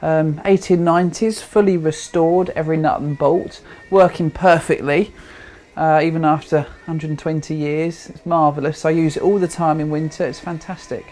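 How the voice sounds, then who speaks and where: British man in his thirties, higher-pitched voice. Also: fairly even intonation, normal speed, darkish tone. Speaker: interviewee, history enthusiast. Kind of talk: informal interview while showing his home.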